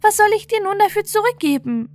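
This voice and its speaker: A woman voicing a small, grateful talking hare in a fairy tale, in an eager, hurried manner. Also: extremely high pitch, expressive, voice pushed up.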